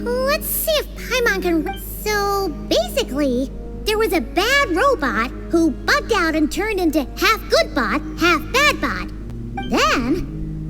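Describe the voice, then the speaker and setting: Squeaky, excitable little fairy companion. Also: female voice, heavily acted. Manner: speaks of herself in third person, exclaiming. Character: tiny chirpy childlike fairy companion, excitable and chatty. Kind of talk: video game voice acting.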